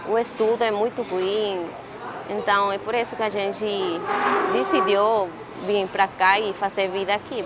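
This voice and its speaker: A Venezuelan woman in her twenties with a Venezuelan Spanish accent, speaking Portuguese as a second language and telling her own story with pauses as she searches for words. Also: mid-range voice, noisy background. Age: 20s. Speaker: interviewee. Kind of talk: casual personal account.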